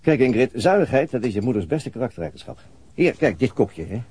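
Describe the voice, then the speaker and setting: A man's voice: mid-range voice, very animated, brisk, warm tone, husky. An actor playing a weary middle-aged detective and father, laconic and dryly sardonic, in a naturalistic radio play. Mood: wry, teasing.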